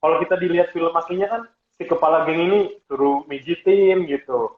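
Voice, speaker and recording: A man's voice: fairly high pitch, a little fast. A male host asking a guest questions in an upbeat, casual interview. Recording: tinny phone-like sound in an echoey room.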